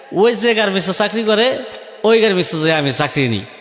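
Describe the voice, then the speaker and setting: Noticeable background noise accompanies a man whose intonation is lively. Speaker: radio confession guest, garment factory operator. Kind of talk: personal life story told in interview.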